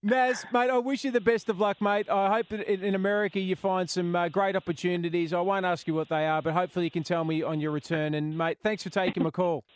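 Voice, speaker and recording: An Australian man hosting chatty talk radio and taking calls, joking and expressive in a blokey way. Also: sits high, quick pace, few pauses, clear, resonant tone. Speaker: radio host.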